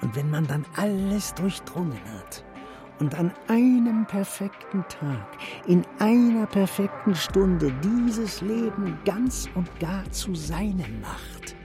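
A man's voice: high-pitched, big pitch swings, slow, over music, heavily acted. A man playing a haughty, menacing upper-class hunter in a radio drama, speaking with condescension. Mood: menacing, savouring. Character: arrogant upper-class hunter, menacing, obsessive murder suspect. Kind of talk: German radio drama acting.

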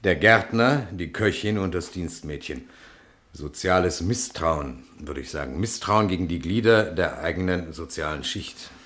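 An actor playing a gruff, exasperated, sardonic police inspector in a German crime radio play. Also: male voice, deep voice, animated, measured pace, fairly bright tone. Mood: brooding, exasperated. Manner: insistent questioning, muttering and sardonic. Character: gruff, exasperated male French police inspector investigating a murder.

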